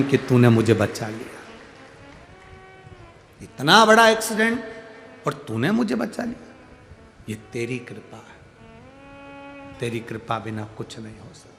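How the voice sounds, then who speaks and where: A man's voice: mid-range voice, a bit bright. A man preaching as a Hindu scripture storyteller to a gathering, emphatic, repeating phrases and drawing out words. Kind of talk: devotional sermon to a gathering, reading out devotees' letters. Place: large public religious gathering. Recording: echoey large-venue PA with music.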